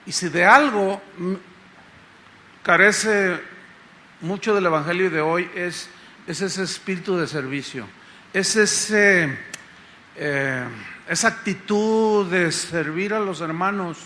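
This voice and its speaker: A middle-aged Mexican pastor preaching a sermon in a conversational style, often asking the congregation rhetorical questions. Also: male voice, high-pitched, slow, long pauses, pushed and bright, a little hiss or hum. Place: church congress hall.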